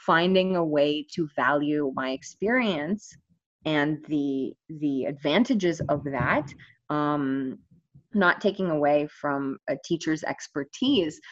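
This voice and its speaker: Low-voiced woman on a video call, dull dry sound, lots of "like" and "um". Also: unhurried, dry recording. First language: not Finnish. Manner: thoughtful, many fillers and restarts. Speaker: online language coach. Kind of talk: casual video call conversation.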